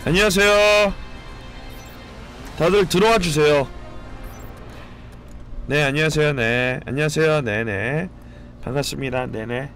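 A man streaming a competitive game, commenting live, cheering teammates and shouting and swearing as he plays. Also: fairly high pitch, a little slow, pauses often, soft background music. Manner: excitable, shouts and swears during play; cheers on teammates with repeated calls.

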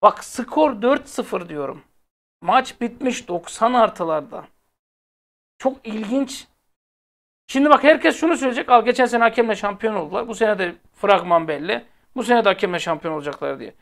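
A man's voice: sits high, expressive, normal speed, creaky, fairly bright tone. A man hosting a football fan channel, ranting casually to viewers in a blunt, exasperated way and repeating phrases for emphasis. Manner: speaks directly to viewers, blunt and heated.

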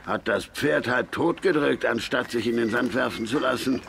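A man playing gravelly fussy old Mister Henry. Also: mid-range voice, normal speed, noisy background, lightly acted. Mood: wry. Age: older. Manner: worried, exclaiming. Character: anxious older male gunsmith friend, fussy. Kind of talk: radio play acting.

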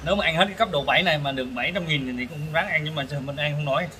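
A man in his thirties hosting a casual food review while eating, speaking haltingly with hesitations and repeated words. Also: a little high, sharp tone. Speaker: food vlog host. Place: open-air casual restaurant. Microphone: camera across the table. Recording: noisy eatery ambience, traffic.

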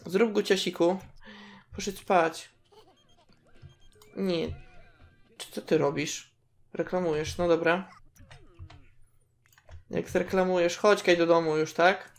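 Soft music plays behind a woman whose voice is fairly low and steady, with slow delivery and long pauses. As a gaming video host, she chats with her game characters, reacts while playing, and squeals at the cute parts.

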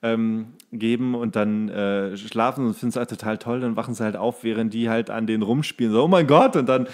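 A man's voice: fairly low pitch, fairly quick, a little mellow. A man co-hosting a podcast in a casual, conversational style. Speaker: podcast co-host. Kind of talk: casual chat.

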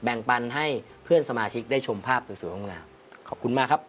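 A man's voice: mid-range voice, expressive, brisk. A man hosting a casual photography-critique livestream, reading viewer comments aloud and laughing often. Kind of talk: casual live chat reviewing viewer photos.

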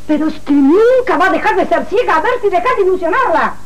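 Telenovela gypsy mother: fiery, scornful, middle-aged, very high voice. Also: animated, fast talker. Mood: cold, cutting. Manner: exclamatory, indignant, dramatic. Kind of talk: melodramatic telenovela acting. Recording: noisy old TV archive tape.

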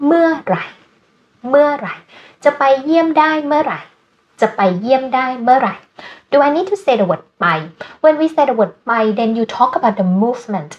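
A woman with a Thai accent, a native Thai speaker, teaching a language lesson and slowly repeating words. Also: sits high, lively intonation, a little mellow, muffled recording. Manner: slow, careful repetition of Thai words.

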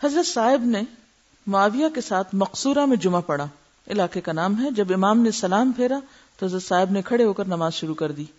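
An Islamic teacher delivers a religious lecture in a mid-range, expressive woman's voice with a darkish tone. She explains terms and poses rhetorical questions to her listeners. The recording is muffled and lo-fi.

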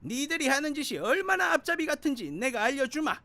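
A man's voice: very high-pitched, sing-song, brisk, sharp tone, dry recording, exaggerated voice. An actor playing a scolding, lecturing grandfather over a hundred years old, telling stories in an educational audio drama with old-fashioned speech. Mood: indignant.

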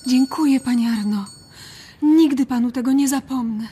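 A woman's voice: sits high, normal speed, warm tone, husky. An actress playing an adoring, starstruck young-hearted female admirer in a radio drama.

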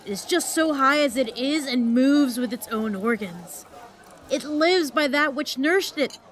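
A woman playing a wry, teasing Roman reveler in a Shakespearean audio drama, spinning tales in a measured, tongue-in-cheek way. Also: high-pitched, animated, soft background music. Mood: dryly teasing.

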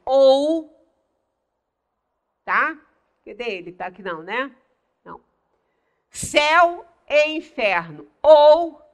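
An older woman with a Brazilian Portuguese accent giving a religious study talk in a small meeting room, explaining slowly and stressing single words. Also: fairly high pitch, a bit bright. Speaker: lecturer at a spiritist center.

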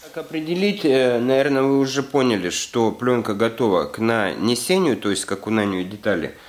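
A man's voice: mid-range voice, animated, fairly quick. A man in his thirties hosting a casual hands-on workshop tutorial, explaining steps with lots of fillers while a little under the weather, recorded in an indoor garage workshop on a close handheld camera. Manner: explanatory, repeats "то есть", filler-heavy. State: slightly ill. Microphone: camera mic, handheld close.

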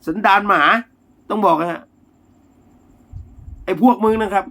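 A man's voice: high voice, fairly even intonation, a little slow, fairly bright tone. A man delivering an angry political monologue to his viewers, blunt and insulting, using coarse words between polite particles. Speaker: political commentator.

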